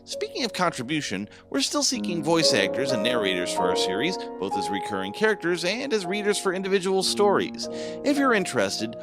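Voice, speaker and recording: A man hosting a horror fiction podcast, giving announcements and then reading the story in a slow, hushed, dramatic way. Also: on the high side, wildly swooping pitch. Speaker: podcast host and narrator. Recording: music playing behind the voice.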